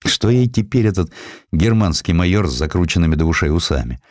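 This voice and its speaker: A man reading a historical story as an audiobook narrator, in a measured, expressive storytelling manner. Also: low-pitched, no echo, studio quality. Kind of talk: scripted dramatic narration of historical fiction.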